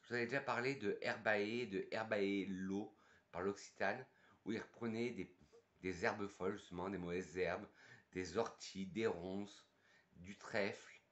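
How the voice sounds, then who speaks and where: Chatty French perfume vlogger, lowish voice. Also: male voice, fairly even intonation, a little slow, fairly bright tone. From France. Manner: chatty, thinks aloud with fillers and restarts. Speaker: perfume youtuber and sales advisor. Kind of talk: casual perfume review, reading box texts aloud.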